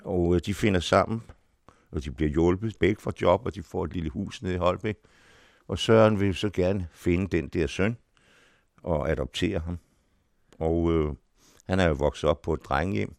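An older man with a very low, gravelly voice tells stories from his past in an interview, unhurried and full of small restarts. He sounds close and dry, with no room around him. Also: a little mellow, no room sound. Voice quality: deep voice. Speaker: actor, interview guest. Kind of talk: reminiscing in an interview.

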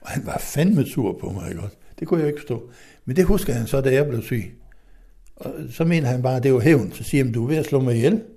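A middle-aged man from western Denmark, an interview guest telling his life story in a rambling, halting way with many fillers and restarts. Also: medium pitch, lively intonation, gravelly, warm tone, husky.

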